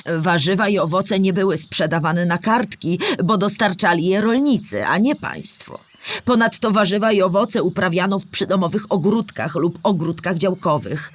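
An actress plays a patient female storyteller in a children's audio play. She explains things in a clear, measured way, as scripted narration for young listeners. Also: lowish voice, lightly acted. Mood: explanatory, patient.

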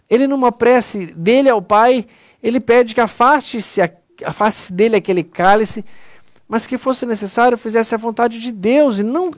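This Brazilian man's voice sits high as he gives a sincere, chatty spiritist talk online, often calling his audience "pessoal." It's a dry, studio-quality recording, and his accent is Brazilian Portuguese.

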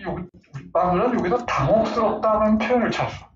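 A man in his fifties giving a lively parenting lecture, laughing often and acting out angry outbursts as examples. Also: sits high, a little fast. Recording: far-off roomy lo-fi lecture recording with faint noise.

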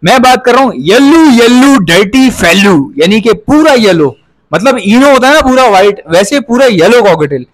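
A man's voice: extremely high pitch, expressive, moderate pace, dry recording. A man from Pakistan with a Pakistani Urdu accent, a pet breeder chatting casually in his vlog and repeating points for emphasis.

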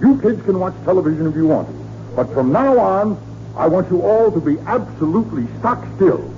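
High-voiced, exasperated radio dad. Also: male voice, animated, a little fast. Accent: American. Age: middle-aged. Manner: blustering, emphatic. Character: exasperated, blustering middle-aged suburban father. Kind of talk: 1940s radio comedy acting. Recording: muffled, noisy 1940s radio recording.

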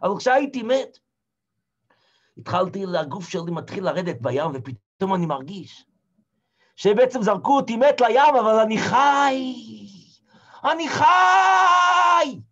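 A man's voice: sits high, animated. A man playing a desperate old Hasid. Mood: dramatic. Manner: swings from hushed murmurs to shouted cries. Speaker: storyteller actor. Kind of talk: dramatic first-person theatrical storytelling. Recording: dull lo-fi recording.

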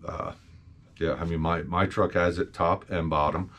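A middle-aged man with a very low voice talks casually into a desk webcam. He hosts a trucking channel from a small home office and rambles, restarting sentences and filling pauses as he goes. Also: steady tone, a bit bright, lo-fi sound, slight background noise. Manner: rambling, many fillers and restarts. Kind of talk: casual commentary to camera.

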